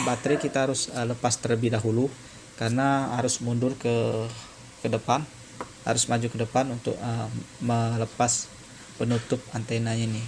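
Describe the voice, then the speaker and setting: Guy doing a repair tutorial, pretty monotone, hesitant and repetitive, noisy homemade audio. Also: medium pitch. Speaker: phone repair tutorial presenter. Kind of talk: informal hands-on tutorial narration. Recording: noisy home-made recording.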